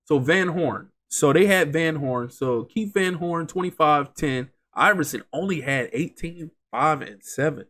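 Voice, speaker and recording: A man's voice: a little high, measured pace, few pauses. A congested man getting over an illness, casually commenting on a basketball video game simulation and rattling off player stats. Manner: reels off stats, chatty and excitable. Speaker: gaming channel host.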